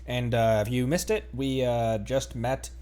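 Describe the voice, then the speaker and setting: A man's voice: medium pitch, measured pace, clean tone. A man with an American accent chatting casually and playfully as he livestreams a video game. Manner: playful, joking, expressive. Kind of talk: casual chat while streaming a game.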